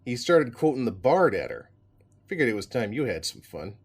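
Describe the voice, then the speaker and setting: A man's voice: medium pitch, very animated, normal speed, breathy edge. An actor playing a wry male police sergeant with a dry, teasing delivery, in an audio drama. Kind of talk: full-cast audio drama.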